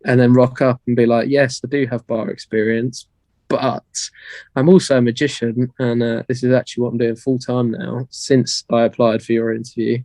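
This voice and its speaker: Young man, from the UK, hoarse voice, rambling with fillers, dry close sound. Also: medium pitch, a little mellow, dry recording. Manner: rambling, many fillers and restarts. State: losing his voice. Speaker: guest magician. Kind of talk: casual podcast interview.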